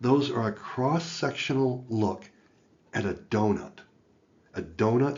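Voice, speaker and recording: The voice belongs to a man with a medium pitch. It is somewhat breathy. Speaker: amateur radio educator. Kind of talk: technical tutorial talk to camera. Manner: slightly slurred pronunciation; casual, friendly.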